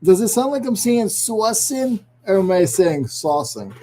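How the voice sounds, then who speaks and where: A man's voice: high-pitched, animated, fairly quick, warm tone. A man with a New England accent hosting a casual live stream, greeting viewers by name and joking about himself. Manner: chatty, greets viewers by name, self-deprecating jokes. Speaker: livestream host. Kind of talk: casual livestream chat.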